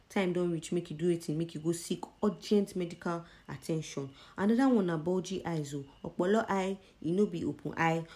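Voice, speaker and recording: A woman's voice: lowish voice, warm tone. A woman with a Nigerian accent speaking Nigerian Pidgin, presenting a conversational health explainer in an emphatic way, posing questions to the listener and answering them.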